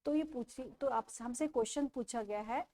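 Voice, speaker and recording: A woman teaching a children's textbook lesson, repeating each question and answer slowly for young pupils. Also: on the high side, dark tone, slight background noise.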